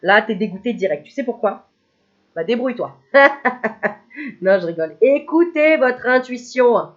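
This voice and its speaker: A woman's voice: medium pitch, moderate pace, lo-fi sound. Chatty joking woman with a cold. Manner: chatty and joking, laughing often between remarks. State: has a cold. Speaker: spiritual medium doing card readings. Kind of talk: casual card reading addressed to viewers.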